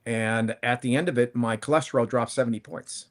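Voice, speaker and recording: A man's voice: mid-range voice, fairly even intonation, fairly quick. A man in his fifties, a guest on a panel, telling his story in a rambling, conversational way with many restarts. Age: 50s. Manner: rambling, conversational, frequent restarts and self-corrections. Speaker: panel guest, plant-based food entrepreneur. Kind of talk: casual panel chat.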